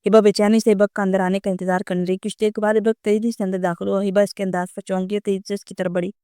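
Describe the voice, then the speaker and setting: A woman narrator reading a romance novel aloud in steady, even storytelling. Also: mid-range voice, fast talker, clean tone, no room sound, studio quality.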